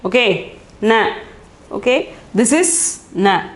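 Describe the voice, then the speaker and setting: A woman teaches Hindi pronunciation at an unhurried, deliberate pace. Her voice sits high, and she repeats every phrase and sounds out each syllable in turn. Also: expressive, a bit bright. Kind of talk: slow classroom explanation.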